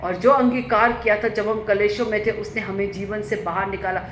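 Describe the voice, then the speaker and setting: A woman preaching a sermon with fervour, climbing to emphatic high peaks and then dropping low and quiet. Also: fairly even intonation, normal speed. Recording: echoey room with faint ambient noise.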